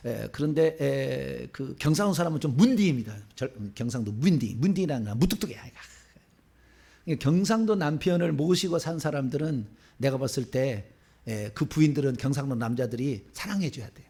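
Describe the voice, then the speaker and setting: A man's voice: mid-range voice, lively intonation, fairly quick, gravelly, dark tone, breathy edge. A man in his fifties from Seoul, a pastor preaching a sermon in church, asking the congregation rhetorical questions and chuckling in asides. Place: church sanctuary.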